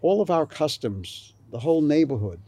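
An older man from New York recalling his childhood in a slow, rambling interview, with many fillers. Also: fairly high pitch, big pitch swings, dark tone. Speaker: author. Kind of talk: oral history interview.

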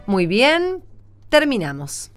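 A woman's voice: fairly high pitch, huge pitch swings, slow, soft background music, full character voice. A woman speaking in a conversational radio drama style. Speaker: cast member of a religious radio show.

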